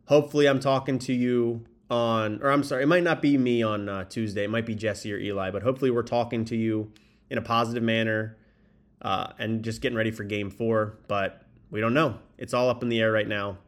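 A man's voice: lowish voice, steady tone, fairly quick. A man hosting a sports podcast solo, casually rambling as he thinks aloud, recorded on a makeshift mic in an echoey spot. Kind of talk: solo baseball commentary, casual. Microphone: makeshift mic, not the proper one. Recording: echoey room, improper microphone.

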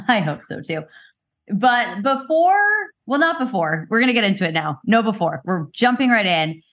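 A woman's voice: medium pitch, expressive, moderate pace, fairly bright tone. Playful woman podcast host. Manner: playful, laughing, teasing. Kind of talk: casual chat.

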